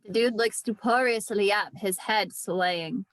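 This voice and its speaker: A woman's voice: medium pitch, unhurried, dry recording, rough recording. A woman narrating scripted stage directions at an amateur table read.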